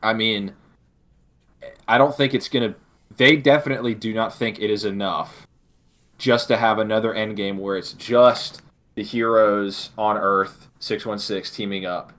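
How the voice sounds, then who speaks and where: A man's voice: fairly low pitch, fairly even intonation, unhurried, a bit bright. A man co-hosting a casual discussion, thinking aloud and often rephrasing as he goes. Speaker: podcast co-host.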